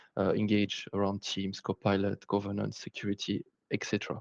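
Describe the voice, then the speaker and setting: A man with a French accent speaks fairly quickly at a fairly low pitch, in a dry, close sound with no echo against a quiet background. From France. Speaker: tech presenter. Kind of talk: webinar presentation.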